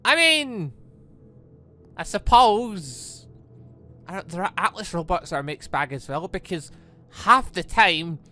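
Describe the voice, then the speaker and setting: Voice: mid-range voice, lively intonation, a little slow, pauses often, pushed and bright, soft background music. A gaming channel host giving casual gameplay commentary in a rambling, conversational way, thinking aloud.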